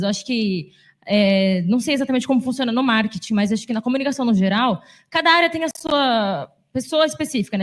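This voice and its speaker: On a very clean recording with a silent background, a woman speaks in a high voice with lively intonation. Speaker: sports TV journalist. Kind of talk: panel talk. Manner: fast.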